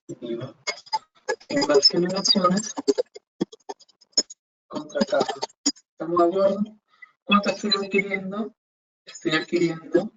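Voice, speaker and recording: A man teaching an online accounting class, explaining step by step and asking rhetorical questions. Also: on the high side. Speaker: accounting instructor. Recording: dull distant mic with faint hiss.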